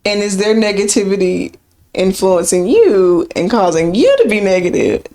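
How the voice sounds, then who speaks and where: A woman co-hosting a podcast, talking in a casual, rambling, conversational way with lively emphasis. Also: mid-range voice, normal speed. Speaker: podcast co-host.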